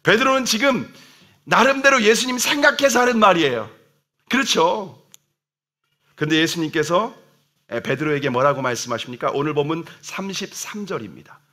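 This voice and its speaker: A man's voice: high-pitched, expressive, normal speed, pushed and bright. A man, the senior pastor, preaching a sermon to his congregation, emphatic and asking questions, acting out dialogue. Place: church sanctuary.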